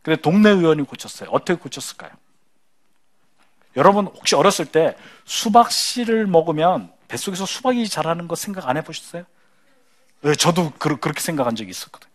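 High-pitched, animated male lecturer. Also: brisk. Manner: acts out dialogue in changing voices; asks the audience questions. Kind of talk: lively storytelling lecture.

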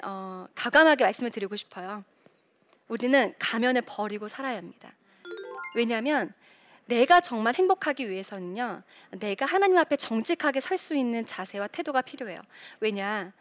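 A middle-aged woman, once a reporter, gives a lively faith-based talk full of rhetorical questions. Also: a little high. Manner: animated, acts out quoted voices. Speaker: Christian speaker, former reporter.

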